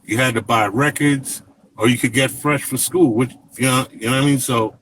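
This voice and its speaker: A man in his fifties from Jamaica, telling stories as an interview guest in a relaxed, rambling way, full of fillers. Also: medium pitch, moderate pace, a little hiss or hum, poor audio. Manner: relaxed, rambling, many fillers and "you know what I mean". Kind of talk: casual interview storytelling.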